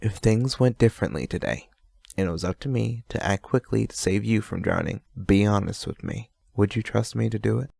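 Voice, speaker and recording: Guarded young male mage superhero for audio drama, played by a man: low-pitched, gravelly, wry and confiding. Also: brisk, darkish tone, no echo, studio quality.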